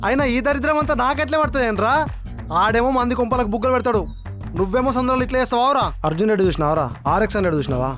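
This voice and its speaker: A rough, fast-scolding villager. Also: male voice, very high-pitched, expressive, fairly bright tone, faint music behind. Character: rough, loud-mouthed village man scolding youths. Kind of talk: film dialogue.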